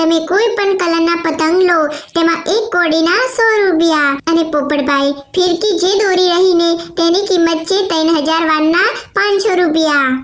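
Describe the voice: Cartoonish character voice from a woman, extremely high-pitched with ordinary pitch variation and audible echo. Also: fairly slow pace.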